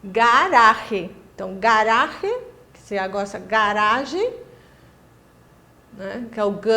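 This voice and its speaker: A woman's voice: fairly high pitch, a bit bright. A Brazilian woman teaching a recorded Spanish lesson, explaining pronunciation with many fillers and restarts. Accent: Brazilian Portuguese. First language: Portuguese. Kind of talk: distance-learning lesson.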